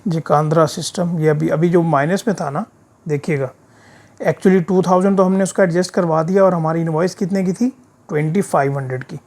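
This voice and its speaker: A man with a sore throat giving an informal step-by-step software tutorial, often checking that the learner follows with short tag questions. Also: fairly high pitch, fairly even intonation, a little fast. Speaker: instructor of an accounting software course. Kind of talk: screen-share tutorial, informal explaining. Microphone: voice-over of a screen recording.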